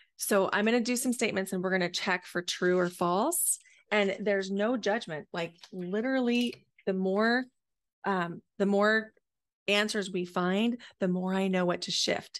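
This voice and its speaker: A woman speaks fairly slowly in a normal speaking voice of medium pitch, with fairly even intonation. The background is quiet. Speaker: podcast host and energy healer. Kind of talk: guided meditation and healing session.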